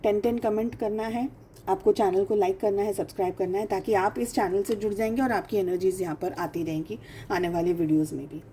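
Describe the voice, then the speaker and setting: A woman's voice: mid-range voice, fairly even intonation, brisk, warm tone, a little hiss or hum. A woman giving a casual tarot reading, speaking emphatically, repeating phrases for stress and mixing English phrases into her talk. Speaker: tarot reader.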